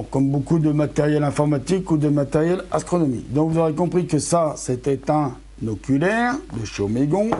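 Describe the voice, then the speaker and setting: A man's voice: fairly high pitch, mellow, breathy edge. A middle-aged man casually unboxing astronomy gear for his channel, chatty, talking straight to his viewers, a bit tired and losing his voice. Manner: chatty, self-correcting, addresses viewers. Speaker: amateur astronomy YouTuber.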